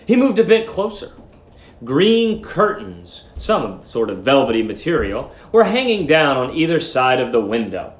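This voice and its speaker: A man with a mid-range voice speaks as a teacher leading a live reading. His delivery is that of someone presenting and narrating a story to students. The room adds a clear echo around the voice. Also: mid-range voice, very animated, measured pace. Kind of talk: live read-aloud lesson, dramatic story narration. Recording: roomy echo.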